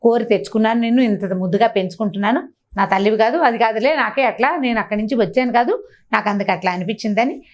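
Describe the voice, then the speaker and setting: A woman playing a doting but deadly old demon mother in a spoken folk tale. She lays out her secret quickly and boastfully, in a fairly high voice. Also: lightly acted. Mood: soothing.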